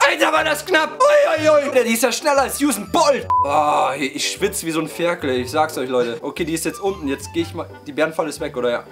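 A hoarse young man doing let's-play commentary, excitable, yelping and laughing as he talks to his viewers. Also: high voice. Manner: excitable, yelps and laughs, keeps addressing viewers. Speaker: gaming YouTuber. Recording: background music under voice. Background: game music.

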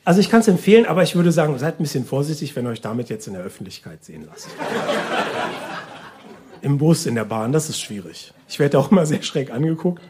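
A man's voice: a little high, big pitch swings, fast, mellow, a little hiss or hum. A man delivering a conversational stand-up comedy monologue in short, casual phrases and chatty asides.

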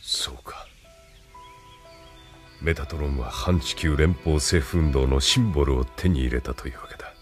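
Super deep stern colonel, cold and calculating, radio drama, soft music behind. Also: male voice, normal speed, long pauses. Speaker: military colonel. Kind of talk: anime radio drama acting.

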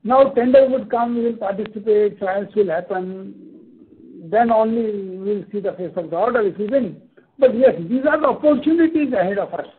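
A man with an Indian accent, a company executive explaining the business to investors in a deliberate way. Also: sits high, husky. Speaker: company executive on an earnings call. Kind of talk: answering investor questions, business briefing. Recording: tinny, narrow conference phone line.

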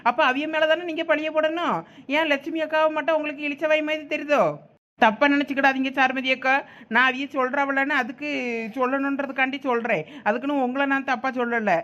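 A woman's voice: sits high, steady tone, a little fast, a bit bright, highs cut off. A woman playing a village relative with a Thoothukudi Tamil accent, polite but pointed.

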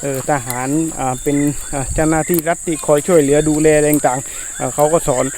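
A man talking casually to viewers in an explanatory vlog, hesitant and repetitive, with many drawn-out filler pauses. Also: fairly high pitch, steady tone, darkish tone. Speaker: soldier vlogger addressing viewers. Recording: noisy outdoor recording with insect ambience.

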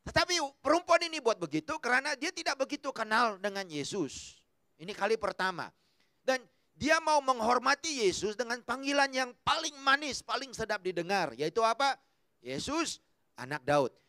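Man, pastor, sermon, bright tense voice, dry close sound, playful acted-out quotes. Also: moderate pace, dry recording. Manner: animated, humorous, jumps between shouting and low asides.

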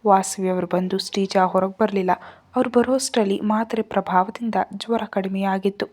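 A woman reads a serialized family drama aloud in a measured, even storytelling manner. Her voice is mellow and darkish, never sharp. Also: mid-range voice. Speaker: narrator.

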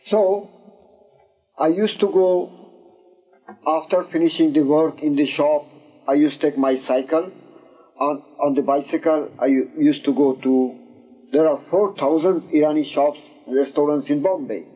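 An older man from Iran, his first language Persian, narrates a long memory in English. His voice is husky and mellow, set a bit high for a man. It sounds like an old VHS interview taped in a dim room. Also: unhurried, poor audio. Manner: animated storyteller, voice rising in quoted speech, gesturing. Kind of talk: storytelling oral history.

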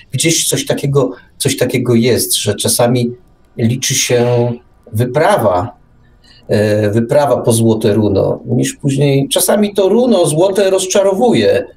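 Man chatting with very lively intonation. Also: mid-range voice, a little slow. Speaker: radio host. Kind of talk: casual literary discussion.

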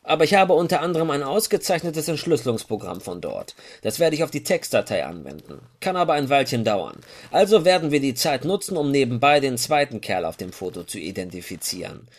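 A chief inspector in a crime audio drama, acted by a man. He is a cautious, grumbling man with an average-pitched voice. His manner is official and slightly hesitant. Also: sing-song, fairly quick, hardly any pauses. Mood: businesslike.

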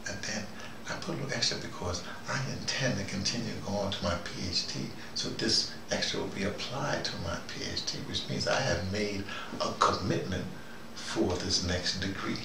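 Echoey, gravelly American older man rambling. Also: sits low, normal speed. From United States. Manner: wry, musing, self-questioning. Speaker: host. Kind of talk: rambling conversational monologue. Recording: echoey room, noisy, distant mic.

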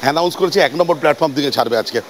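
A man giving a casual travel vlog, chatting and explaining things to viewers and companions. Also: racing. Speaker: travel vlogger. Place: aboard a local train. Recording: noisy train ambience. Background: train and vehicle rumble.

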